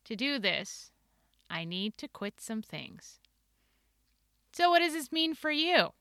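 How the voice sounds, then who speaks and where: A woman's voice: on the high side, very animated, slow, fairly bright tone, dry recording, studio quality. A woman in her forties with a Midwestern American accent, hosting a solo podcast in an upbeat, earnest and playful way. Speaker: podcast host.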